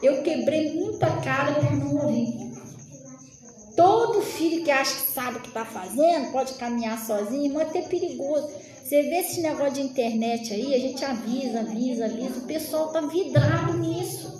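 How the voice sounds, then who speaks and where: A woman's voice: high voice, animated, normal speed, a little mellow, echoey room, poor audio. A woman in her late thirties giving an informal, chatty sermon, often turning to address her listeners directly. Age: 30s. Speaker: preacher.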